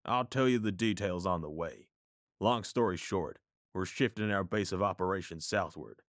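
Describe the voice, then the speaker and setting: An actor playing a calm, calculating man with a laid-back, unhurried manner in an audio drama. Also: deep voice, no echo, studio quality. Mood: brisk, casual. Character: Frankie, calm calculating man with manic cheer.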